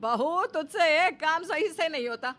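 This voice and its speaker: A woman's voice: high voice, expressive, normal speed, fairly bright tone. Woman playing a scolding old mother-in-law. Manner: scolding, theatrical sighs. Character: grumbling elderly mother-in-law, dramatic. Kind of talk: cartoon story voice acting.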